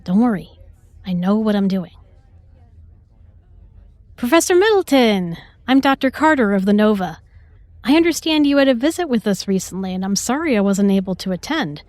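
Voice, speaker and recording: Woman acting a starship doctor, sci-fi audio drama, confident, assertive, protective, medium pitch, very dry sound. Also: animated, moderate pace, pauses often, a little mellow, no room sound, close to an everyday voice. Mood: playful, reassuring, then politely probing. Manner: assertive, pointed, composed.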